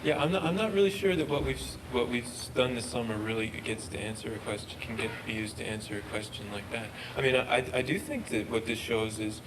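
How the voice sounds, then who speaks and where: A man presenting research and answering questions, halting and often repeating words. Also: mid-range voice. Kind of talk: research talk Q&A. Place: lecture room. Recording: noisy room recording.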